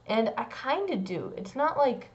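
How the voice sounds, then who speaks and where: A young trans man vlogging a casual personal update, rambling with lots of "like" and "um" and swooping into squeaky high bits. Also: sing-song, measured pace, gravelly. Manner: rambling, many likes and ums. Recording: dull lo-fi sound.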